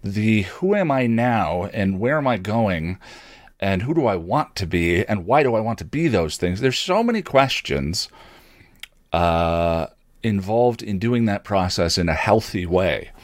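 A man in his forties with a fairly low voice, recorded close and dry. He talks like a podcast host sharing a personal story in a reflective way, pausing to search for words and stretching some out for emphasis. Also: very animated, dry recording.

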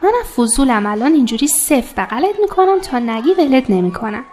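Radio play: actress as soft-hearted young woman, coaxing, high voice, faint hiss. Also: very animated. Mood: tender. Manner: tender, coaxing. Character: caring young woman comforting her friend. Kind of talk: radio drama acting.

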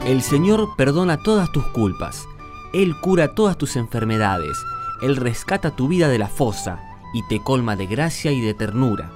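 A man's voice: medium pitch, wildly swooping pitch, normal speed, music in the background. A man with an Argentine accent speaking in a conversational radio drama style. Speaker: cast member of a religious radio show.

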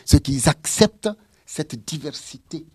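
A man's voice: on the high side, expressive, measured pace, breathy edge, no echo. A man arguing his side in a formal debate, impassioned and emphatic, often repeating himself for force. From French-speaking, living in Toronto.

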